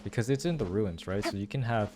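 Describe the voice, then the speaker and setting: With music in the background, a man speaks fast in a lowish voice as he streams a game, offering casual, musing commentary and analysis of a story quest. He repeats phrases for emphasis.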